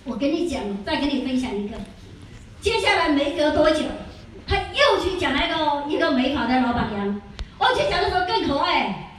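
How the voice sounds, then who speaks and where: A high-pitched woman gives a chatty sales seminar, laughing and firing questions at her audience. Her voice rings around a very echoey room. She sits far from the microphone, over a faint hum of ambience. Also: sing-song, normal speed. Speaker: skincare sales consultant giving a seminar. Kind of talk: lively storytelling lecture.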